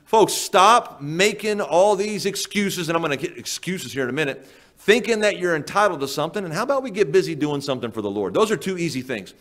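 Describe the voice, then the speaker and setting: Folksy, emphatic male preacher with lively pitch. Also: a little fast. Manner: folksy, emphatic preaching with rhetorical questions to the congregation. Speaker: pastor. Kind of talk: sermon. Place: church sanctuary.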